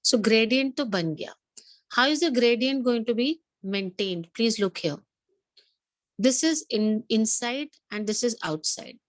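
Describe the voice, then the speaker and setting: A biology teacher with a South Asian accent leads an interactive online class, asking questions, repeating points and switching between two languages. Her voice is fairly high and animated, at a normal speed, with no echo.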